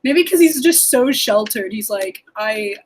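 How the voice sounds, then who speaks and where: A woman's voice: fairly high pitch, expressive, unhurried, a little hiss or hum. A young woman in a casual book chat, often quoting and acting out lines as she talks. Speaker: book discussion co-host.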